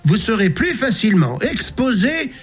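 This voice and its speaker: Man doing joke horoscopes, high voice, lively bouncing pitch, snickers. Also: moderate pace, husky. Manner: mocking and laughing at his own jokes. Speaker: radio comedy columnist.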